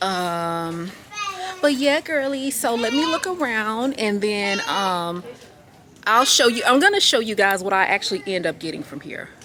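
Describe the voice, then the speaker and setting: Amid noticeable background noise and audible room echo, a woman speaks in an animated tone at a fairly high pitch with very wide pitch swings. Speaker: vlogger. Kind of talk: casual vlog talk. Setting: store with intercom announcements.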